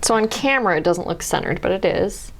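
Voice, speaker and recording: A woman's voice: medium pitch, expressive, fairly quick. A woman with a Midwestern accent, teaching a jewelry soldering demo step by step, friendly and explanatory, sometimes dropping to a near-whisper as she concentrates. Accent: Midwestern American. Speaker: jewelry instructor. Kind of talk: step-by-step craft demonstration.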